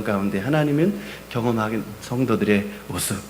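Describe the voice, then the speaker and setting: Amid noticeable background noise and audible room echo, a man with a medium pitch speaks with lively intonation. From rural South Korea. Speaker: guest pastor. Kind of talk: sermon. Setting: church. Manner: halting, many filler sounds.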